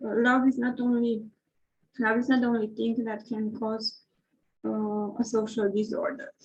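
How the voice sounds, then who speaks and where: A woman speaks at a moderate pace, her pitch fairly high and her voice somewhat breathy. Her intonation is monotone and flat, broken by long, frequent pauses. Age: 30s. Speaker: author. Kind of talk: reading aloud with commentary. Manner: halting.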